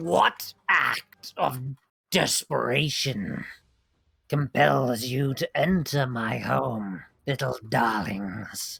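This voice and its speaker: A raspy, put-on character voice sits at a low-to-middle pitch. It moves at a very slow pace. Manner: menacing.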